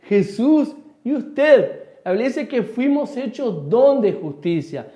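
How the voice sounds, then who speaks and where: High-voiced Rioplatense pastor preaching. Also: male voice, takes it slowly. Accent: Rioplatense Spanish. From Uruguay. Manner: animated preaching, asks the congregation questions and answers them. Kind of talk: sermon. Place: church hall. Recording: echoey church hall, dull sound.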